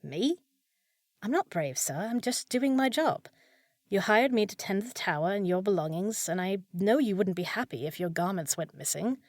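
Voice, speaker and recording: A woman's voice: medium pitch, animated, normal speed, darkish tone, no echo, studio quality. A woman playing a short, fussy young village housekeeper in a fantasy audio roleplay, proper and easily flustered, scolding yet caring. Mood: admiring, modest. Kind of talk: scripted fantasy audio roleplay, spoken to listener.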